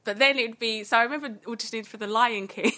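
Bubbly Essex woman with a bright, higher voice. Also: fast talker. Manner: bubbly, self-deprecating, dramatic. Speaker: interview guest. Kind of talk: casual chat, telling anecdotes.

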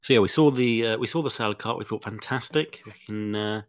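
A man's voice: fairly low pitch, fairly quick, dry recording, studio quality. A man co-hosting a podcast, telling rambling stories full of fillers and sounding a bit sniffly. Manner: rambling, chatty storytelling with many fillers. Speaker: podcast co-host. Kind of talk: casual chat.

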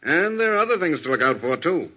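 Bright-voiced, courteous store owner. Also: male voice, fairly high pitch, very animated, fast, slightly rough, heavily acted. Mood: polite, cautioning. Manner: formal, precise, polite. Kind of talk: 1940s radio crime drama acting. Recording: dull vintage 1940s radio recording.

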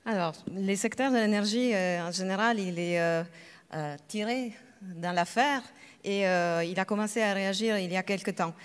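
A woman professor talks on a conference panel with a smooth, clear voice. She hesitates often and fills gaps with filler sounds. Her voice carries through a long, echoing hall reverb. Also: mid-range voice, moderate pace. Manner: hesitant, many filler sounds, searching for words. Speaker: energy economics professor, panelist. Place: lecture hall at a school.

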